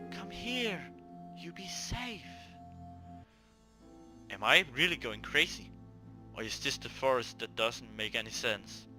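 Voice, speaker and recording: A man hosting a gaming video, reading a visual novel aloud theatrically, stumbling over words and talking to himself between lines. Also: medium pitch.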